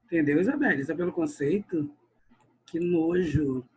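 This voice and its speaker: Guy teaching grammar over a video call, slightly high voice, bit husky, keeps calling to the class. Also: moderate pace, warm tone, low-quality recording. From Brazil. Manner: keeps calling out to the class, stretches words to stress them. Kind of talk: online class lecture.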